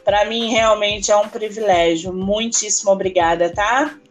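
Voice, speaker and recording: A woman with a Brazilian Portuguese accent hosting a podcast interview, effusive and drawn-out in her speech. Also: medium pitch, steady tone, soft background music. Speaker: podcast host.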